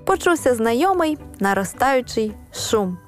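A woman narrating a children's story on a radio program, expressive and acting out each character's lines. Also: fairly high pitch, unhurried, soft background music.

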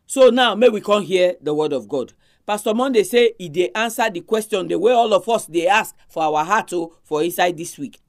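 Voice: medium pitch, animated, normal speed. A presenter with a Nigerian Pidgin accent hosting a Christian radio programme, exhorting listeners directly.

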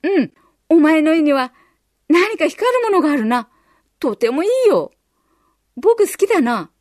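A woman's voice: high voice, very animated, measured pace, darkish tone, no room sound, studio quality, pitched above the performer's own voice. A woman voicing a boastful, sulky young boy in a children's story, in a raised childish voice. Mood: admiring.

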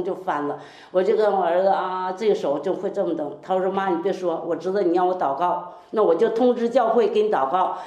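A woman's voice: fairly low pitch, dark tone. Older woman, heartfelt rambling testimony. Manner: rambling, heartfelt storytelling with quoted dialogue. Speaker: church member giving testimony. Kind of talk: personal testimony. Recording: echoey room, faint music behind.

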